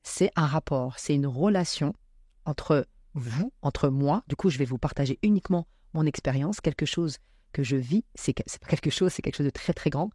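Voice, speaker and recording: A woman speaking as a podcast guest, reflecting on spiritual matters with many pauses and fillers. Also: deep voice, warm tone, husky, no room sound, clean studio sound.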